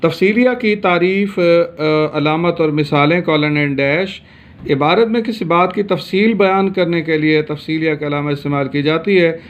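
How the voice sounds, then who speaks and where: A man's voice: fairly high pitch, moderate pace. A man from Pakistan teaching a grammar lesson, reading steadily with frequent hesitation sounds. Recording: dull lo-fi recording.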